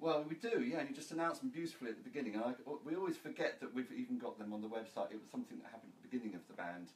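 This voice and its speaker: A man talks at a very fast pace. Light background noise runs under his voice. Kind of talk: interview answer. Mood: cheerful, light-hearted. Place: studio. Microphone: camera far.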